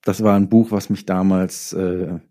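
A man's voice: sits low, flat delivery, unhurried, dark tone. A man chatting casually as an interview guest, hesitant and searching for his words as he goes. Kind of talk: casual chat.

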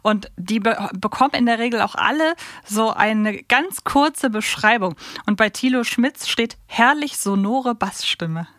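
A woman chats casually as co-host of a fan podcast. Her voice sits a little high. It is recorded dry and close on the microphone. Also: lively intonation, a little slow, hardly any pauses, a bit bright, no echo.

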